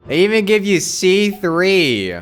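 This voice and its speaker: A man's voice: high-pitched, sing-song, takes it slowly, a little hiss or hum. A man giving chatty, reactive live commentary as a game streamer. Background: game music.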